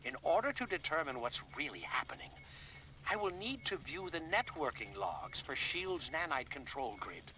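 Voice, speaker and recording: A man's voice: on the high side, very animated, normal speed. A man playing a precise, reserved inventor in a video game, with a wordy, formal and exact manner. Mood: measured, analytical. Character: pedantic male inventor scientist, precise and reserved. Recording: clear background noise.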